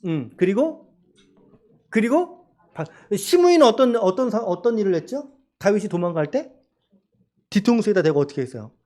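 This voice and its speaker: A man's voice: high-pitched, sing-song, moderate pace, long pauses, warm tone. A man preaching a sermon as a pastor in a church, asking the congregation questions and crying out quoted lines dramatically. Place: church sanctuary.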